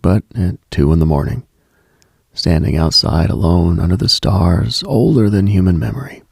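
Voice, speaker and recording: A man hosting a late-night mystical radio show, delivering a hushed, solemn, dramatic monologue with deliberate pauses in a gravelly, husky voice. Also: deep voice, no echo. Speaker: radio host.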